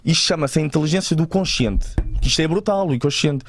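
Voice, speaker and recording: A man's voice: on the high side, quick pace, slight background noise. A man from Portugal with a European Portuguese accent, talking casually and colloquially as a guest in an interview about his creative work.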